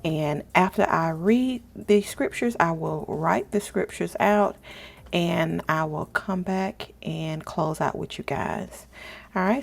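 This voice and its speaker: Unhurried woman with a creaky, low-pitched voice. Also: darkish tone. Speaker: faith journaling channel host. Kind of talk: vlog narration and scripture read-aloud.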